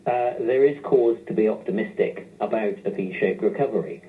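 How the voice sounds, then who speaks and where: A man giving a corporate presentation as a chief executive, phrasing things deliberately with frequent hesitations. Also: on the low side. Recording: tinny, narrow phone-line sound.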